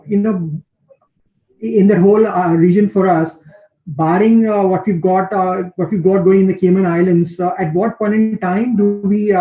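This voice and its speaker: A man with an Indian accent asking questions as an analyst on a conference call, hesitant and searching for words. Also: sits high. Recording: dull, roomy conference call line.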